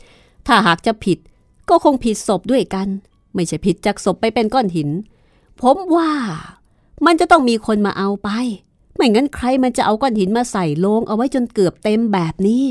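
A woman's voice: fairly high pitch, animated, normal speed, dry recording, studio quality, pitched above the performer's own voice, lightly acted. A woman doing an old gravedigger man. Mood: insistent. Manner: polite, pleading, earnest. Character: older male head gravedigger, humble and stubborn.

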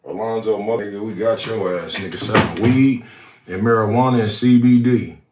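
A man in his thirties with a fairly low voice hosts a prank call show. He talks in loose slang, often stumbling and repeating phrases. He is close to a phone mic in a small room. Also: reverberant, very noisy. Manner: halting, repetitive, street-slang talk. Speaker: prank caller, show host.

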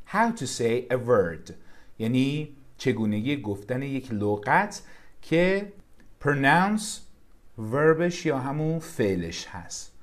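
A man teaching English vocabulary from a textbook, reading English phrases slowly and translating them, with a Persian accent. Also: mid-range voice. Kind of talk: vocabulary lesson explaining a textbook.

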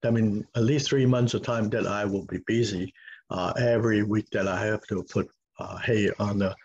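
Hong Kong-accented man, 50s, husky voice, hesitant interview talk, muffled video-call sound. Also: fairly low pitch, steady tone, a little mellow. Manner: halting, many fillers and restarts. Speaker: farm owner, guest. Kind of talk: casual interview answers. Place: home room with log walls, indoors.

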